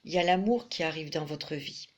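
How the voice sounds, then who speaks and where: A woman's voice: sits low, brisk, a little hiss or hum. A middle-aged woman giving a chatty tarot reading to camera, full of fillers and restarts. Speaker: tarot reader.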